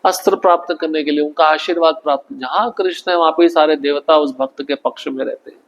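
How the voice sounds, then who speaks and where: This man has a somewhat high voice and teaches a devotional scripture class. He poses rhetorical questions and answers them at once. Now and then he slows down to chant Sanskrit verses. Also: fairly even intonation, poor audio.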